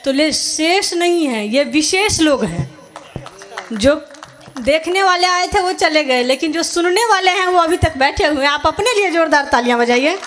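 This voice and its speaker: A woman's voice: sits high, expressive, moderate pace, a bit bright. A woman poet from Bihar bantering on an outdoor stage, firing witty comebacks at the host into a stage mic. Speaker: poet performing at a poetry gathering. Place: outdoor stage before a crowd. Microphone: stage microphone.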